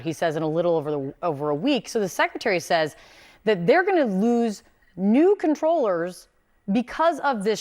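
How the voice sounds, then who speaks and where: Woman news anchor, kinda low voice, conversational but pointed interviewer on live tv.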